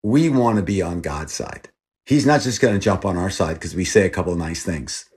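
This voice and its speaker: A middle-aged man from Texas, raised in Thailand, speaks in a low, husky voice. He tells personal stories as an interview guest, earnest and halting, often restarting his sentences. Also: animated, a little mellow. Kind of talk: reflective personal storytelling.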